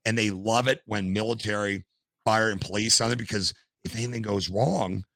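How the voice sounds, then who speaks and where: A retiree from the States holds forth as a podcast guest, all anecdotes and asides. His voice sits low with a gravelly edge and a bright, forceful bite. The sound is close and dry, with no room around it. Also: normal speed, dry recording. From United States. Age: older. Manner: animated anecdotal storyteller. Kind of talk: casual storytelling interview. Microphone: headset.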